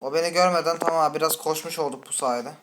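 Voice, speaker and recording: A woman playing a horror game and commenting with a Turkish accent, chatty and full of swearing, breaking into startled high shrieks. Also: steady tone, fast, a little hiss or hum. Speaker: gaming channel host. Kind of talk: let's play commentary. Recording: faint game music behind.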